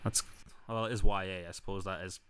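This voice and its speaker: A man's voice: low-pitched, steady tone, brisk, a bit bright, slight background noise. A man from Scotland hosting a podcast interview, loose and sweary, with a self-mocking streak. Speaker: podcast host. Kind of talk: casual interview chat.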